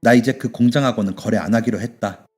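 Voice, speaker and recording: A man as a gruff fatherly shoe shop boss. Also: medium pitch, fast, darkish tone, faint music behind, lightly acted. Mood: gruff caring. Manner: blunt, scolding but kind. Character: gruff, fatherly middle-aged male shoe shop owner.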